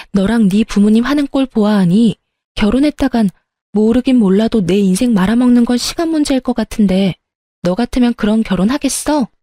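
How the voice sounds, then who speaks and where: A woman voicing a sharp-tongued young woman who breaks off her engagement, speaking bluntly and cuttingly. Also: a little high, no echo, clean studio sound.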